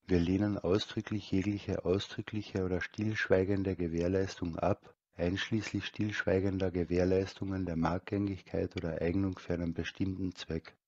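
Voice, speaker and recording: A man with a very deep, flat voice reads a legal disclaimer slowly and formally. The sound is dry and slightly dull. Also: dry recording. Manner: slow, formal reading.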